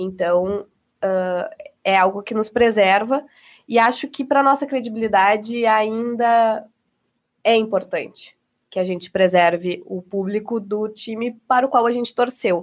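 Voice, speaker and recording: At a fairly slow pace, a woman with an ordinary speaking voice and fairly high pitch shows ordinary pitch variation on a very clean recording with a silent background. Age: 20s. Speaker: sports journalist. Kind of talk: interview.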